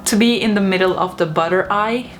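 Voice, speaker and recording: A young Norwegian woman, a native Norwegian speaker, vlogs to her viewers in a casual, playful monologue. Her medium-pitched voice moves a little fast, lively and chatty, and she laughs at her own points. Slight background noise can be heard.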